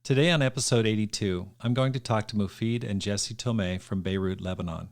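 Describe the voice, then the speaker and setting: A man's voice: fairly low pitch, brisk. A man hosting a podcast, introducing guests and asking interview questions in an upbeat, encouraging way. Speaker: podcast host.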